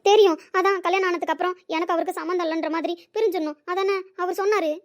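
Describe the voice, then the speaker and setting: Woman as a young woman pleading for help, high and fast, audio drama. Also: fairly even intonation. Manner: pleading, urgent. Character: desperate young woman needing money for her father.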